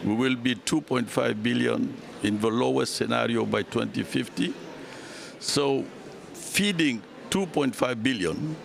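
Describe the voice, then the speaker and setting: A man with a heavily creaky voice speaks slowly at a live panel, with faint noise behind him. His remarks are deliberate and come in short broken phrases. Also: mid-range voice, fairly bright tone. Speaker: panelist, envoy.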